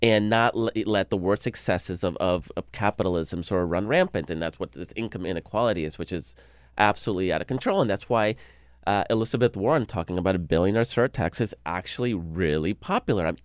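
Smooth-voiced man from El Salvador. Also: fairly low pitch, expressive, brisk, dry recording, clean studio sound. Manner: earnest, restarts and repeats words. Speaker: guest, political blogger. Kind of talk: casual political discussion.

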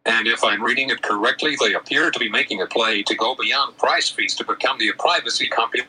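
A man's voice: medium pitch, brisk, bright, forceful tone, a little hiss or hum, low-quality recording. Robot-filtered male caller voice. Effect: voice changer, robotic. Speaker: caller asking questions. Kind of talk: podcast call-in question.

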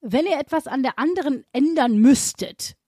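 Dry-quipping woman co-host, slightly high. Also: animated, warm tone, no echo. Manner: quick dry quips, self-mocking. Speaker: podcast co-host. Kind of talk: casual chat.

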